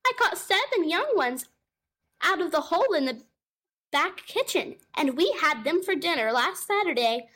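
A woman's voice: big pitch swings, normal speed, fairly bright tone, exaggerated voice. A woman putting on a wailing, fretful mother cat. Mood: tearful. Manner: wailing, fussy, high and distressed.

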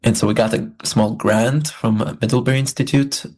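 A young man from Belarus, a guest speaking in a measured, thoughtful way with pauses, in an interview. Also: mid-range voice, steady tone, a little mellow. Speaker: guest, student project founder. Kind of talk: reflective interview talk.

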